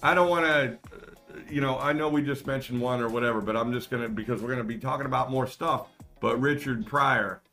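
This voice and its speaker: An older man chatting on a podcast, a long-winded and animated storyteller who breaks into loud outbursts. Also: mid-range voice, fairly quick, faint music behind. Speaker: podcast guest. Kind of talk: casual podcast chat.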